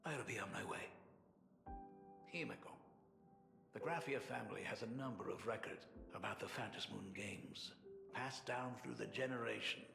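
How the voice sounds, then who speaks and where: A man's voice: lowish voice, moderate pace, creaky, long pauses, roomy sound, in a large hall, over music. An actor playing a wry, resigned middle-aged father in a video game. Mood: wistful.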